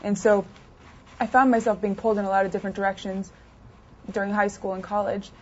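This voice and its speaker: Young woman, interview guest, chatty with fillers; middle pitch, lo-fi recording. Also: level tone, a little fast, a little mellow, slight background noise. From United States, partly raised in France. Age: 20s. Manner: chatty, many fillers and restarts. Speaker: interview guest, poker player. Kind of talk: casual interview answers. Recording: dull lo-fi sound.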